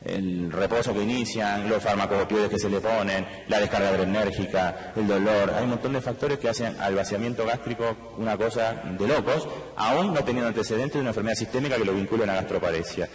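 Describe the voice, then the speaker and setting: A man's voice: on the low side, fast, few pauses, reverberant, in a large hall, rough recording. A man with an Argentine accent giving a medical conference lecture. He explains at length, speaks straight to the audience and throws in rhetorical questions. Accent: Argentine Spanish. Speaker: anesthesiologist lecturer. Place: large conference hall.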